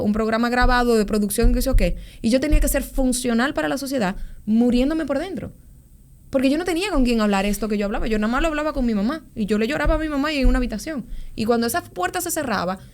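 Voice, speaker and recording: Here a podcast guest, a woman in her forties, recounts her journey of faith in a relaxed conversation. Her voice sits fairly high, her speech is lively and full of slang, and she often says words twice along the way.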